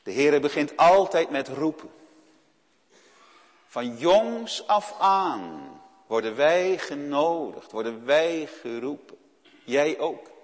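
An earnest male preacher delivers a sermon, turning to his listeners again and again. His voice sits fairly high for a man. Long reverb trails behind each phrase in the church. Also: sing-song, takes it slowly. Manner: earnest, addresses listeners directly with repeated "hè".

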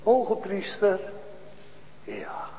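Slow, echoing Dutch-language preacher man. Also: sits high, huge pitch swings, dull audio, slight background noise. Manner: slow, questioning, swings from hushed to loud proclaiming. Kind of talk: sermon. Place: church.

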